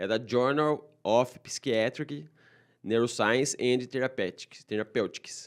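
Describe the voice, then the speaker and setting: In a very clean recording with a silent background, a man talks very slowly at a medium pitch, with ordinary pitch variation. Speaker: podcast co-host. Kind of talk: casual podcast chat. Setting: studio.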